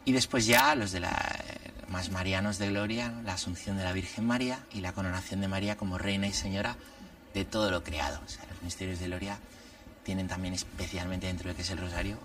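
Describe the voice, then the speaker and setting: A priest talks through his thoughts one point at a time, with a low voice. He sounds slightly distant from the microphone. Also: animated, a little fast, gravelly, a bit bright, no echo. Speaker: priest guest. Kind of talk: conversational religious commentary.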